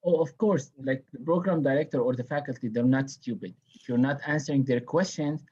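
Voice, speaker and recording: A man giving casual, quick advice on interviews during a video call, with lots of fillers. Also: mid-range voice, dark tone, slightly rough, dull audio. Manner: quick, casual, many likes.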